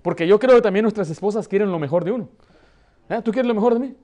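A man in his thirties who grew up in the United States, preaching a lively sermon from a pulpit with a Mexican Spanish accent. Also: high-pitched, quick pace. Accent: Mexican Spanish, learned in the United States. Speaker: pastor. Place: church hall, plain indoor room.

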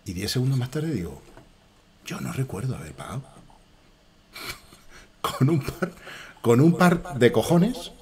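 A middle-aged man with a Spain Spanish accent telling loud, swearing, jokey anecdotes on a casual gaming livestream, in an echoey room. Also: medium pitch. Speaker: streamer and voice actor.

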